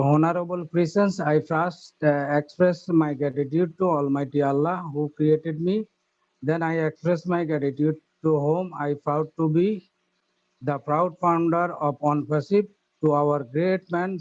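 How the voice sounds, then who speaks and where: A man from Bangladesh with a Bangladeshi accent, giving a slow, formal, halting thank-you speech on an online call, with frequent pauses and fillers. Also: on the high side, darkish tone. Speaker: webinar participant. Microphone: phone or computer call audio. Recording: muffled online call audio.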